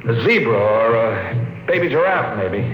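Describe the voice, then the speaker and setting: Expressive, dismissive American husband. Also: male voice, mid-range voice, measured pace, lo-fi sound, soft background music. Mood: uneasy, reassuring. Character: dismissive, reassuring suburban husband and father. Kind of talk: 1950s radio drama acting. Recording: noisy, echoey old radio recording.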